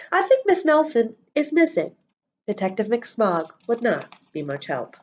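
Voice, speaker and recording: A woman reading a children's storybook aloud in an expressive, deliberate schoolteacher's manner. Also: mid-range voice. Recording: dull lo-fi audio.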